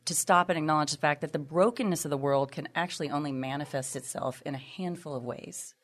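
A Texan woman with a low-pitched voice talks into a studio mic as a podcast guest. She is expressive and emphatic, stacking repeated phrases as she talks about faith. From Texas, USA. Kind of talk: faith-based conversational chat. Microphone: headphones on, studio mic.

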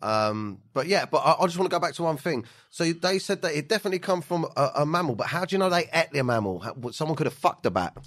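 Fast London bloke, jokey street slang. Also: male voice, fairly high pitch, big pitch swings, fairly bright tone. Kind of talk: casual chat.

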